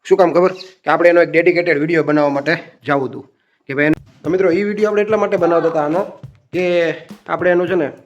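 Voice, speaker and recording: A man's voice: a little high, steady tone, fast, dull audio, soft background music. A young man with a Gujarati accent, chatting casually to viewers in a family vlog. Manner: chatty, addresses viewers as friends and brother. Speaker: family vlogger. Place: outdoors on village roads.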